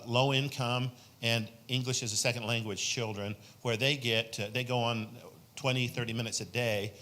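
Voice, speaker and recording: A man's voice: mid-range voice, bright, forceful tone. A man, a state senator, speaking from the floor at a conference session, earnestly promoting a program at length. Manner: earnest, promotional, long-winded. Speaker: state senator asking a question.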